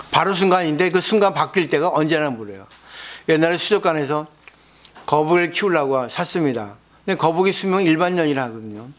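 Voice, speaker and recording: A man, a Buddhist monk, lecturing on scripture, explaining with everyday examples and asking his listeners rhetorical questions. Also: on the high side. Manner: asks the audience rhetorical questions.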